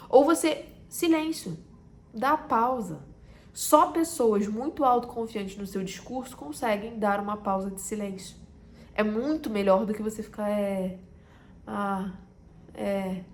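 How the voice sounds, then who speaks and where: A woman with a Carioca Brazilian accent teaches to camera as a communication coach. Her voice sits at a middle pitch for a woman. She talks emphatically and sometimes drops to a soft voice before rising again. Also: slight background noise. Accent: Carioca Brazilian Portuguese. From Rio de Janeiro, Brazil. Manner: emphatic, drops to a soft voice to make a point, then rises again. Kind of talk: direct-to-camera teaching talk.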